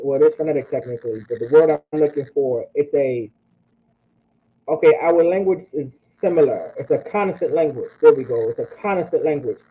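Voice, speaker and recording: A man's voice: medium pitch, slightly rough. Man, teacher, online class, repeats himself, says "all right?" often, tinny phone-like sound. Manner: repeats phrases, frequent "all right?" check-ins.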